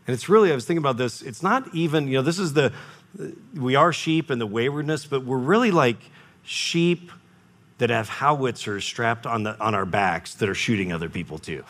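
A man's voice: medium pitch, fairly bright tone. A man preaching a sermon to his congregation in an earnest manner, often restarting and correcting himself mid-sentence. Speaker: pastor.

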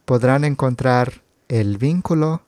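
A man's voice: mid-range voice, takes it slowly, darkish tone, no room sound. A Mexican man hosting a Spanish lesson, explaining words for learners and laughing easily. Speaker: podcast host and Spanish teacher. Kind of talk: slow teaching conversation for learners.

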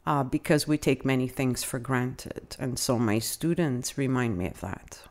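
Woman teacher, middle-aged, low easy voice, reflective interview guest. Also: darkish tone. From Canada. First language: Italian. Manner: reflective, measured, frequent uh and um fillers. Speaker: adult educator, guest. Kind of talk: interview answers.

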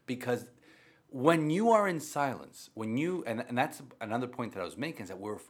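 With a mid-range, sing-song voice that has a breathy edge, a Catholic priest talks fairly quickly about faith in a conversational way. Spanish was his first language, and he repeats phrases for emphasis.

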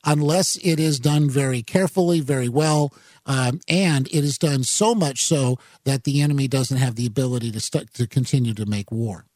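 A man hosting a talk radio show, commenting on the news in a rambling, halting way with many fillers and self-corrections, into a studio microphone. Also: mid-range voice, a little mellow, no echo.

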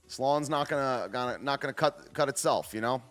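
A livestream host with a medium-pitched, brisk, slightly bright voice gives casual commentary and reads chat over soft background music. He reacts to clips and messages in a joking, rambling way, often trailing off and starting again.

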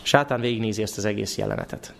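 Man preaching an animated sermon. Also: on the low side, creaky, a little hiss or hum. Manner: animated, asks the congregation questions. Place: church.

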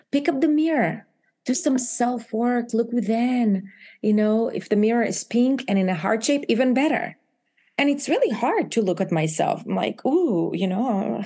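Animated Israeli-accented woman author, mellow voice. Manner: animated, laughs often, shifts to high pitch for emphasis. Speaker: author guest. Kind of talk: interview chat.

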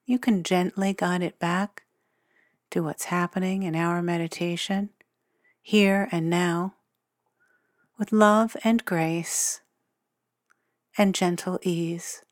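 A woman guiding a meditation in a gentle, soothing, unhurried way with long, measured pauses. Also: on the low side, fairly even intonation, dry recording, studio quality. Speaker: meditation guide and podcast host. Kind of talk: guided meditation narration.

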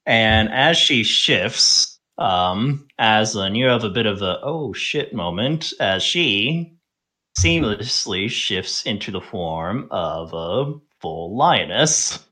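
A man narrating a tabletop game as game master, improvising haltingly with drawn-out pauses. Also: on the low side, expressive, sharp tone.

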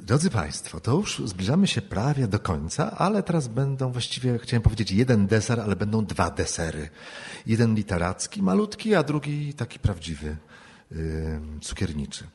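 A man hosts a ceremony and introduces the next guests with informal, slightly halting announcements. His voice is low but very animated, rising and falling widely. It has a husky, rough edge. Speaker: event host. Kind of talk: hosting a ceremony.

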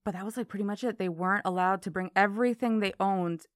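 A woman's voice: medium pitch, fast talker, dry recording, clean studio sound. A woman from Miami in her thirties with an American accent, telling her story casually as an interview guest. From Miami, Florida.

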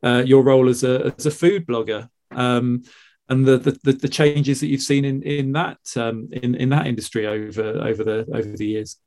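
A man's voice: medium pitch, fairly even intonation, moderate pace, a little mellow. Interviewer: man, conversational, hesitant delivery with frequent restarts.

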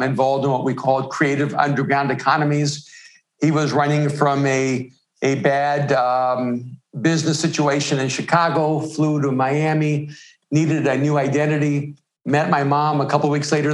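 Reflective man, slightly high, roomy. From El Salvador. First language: Spanish. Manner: reflective, with frequent hesitations and restarts. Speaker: podcast guest, pastor. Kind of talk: conversational interview.

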